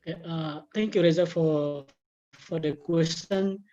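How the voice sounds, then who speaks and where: A man from Timor-Leste whose first language is Tetun, a webinar panelist answering questions haltingly with many restarts. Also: on the high side, steady tone, dark tone, dull audio.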